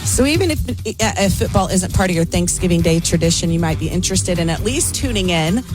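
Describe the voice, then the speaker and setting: A woman's voice: lowish voice, expressive, fast, music in the background. A woman with an American accent chatting casually as co-host of a radio show.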